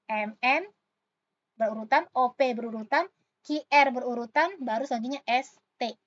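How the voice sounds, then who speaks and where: A woman's voice: fairly high pitch, normal speed, no echo, highs cut off. Woman tutor talking through letter puzzles. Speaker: online test-prep tutor. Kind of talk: explaining letter-series puzzles step by step.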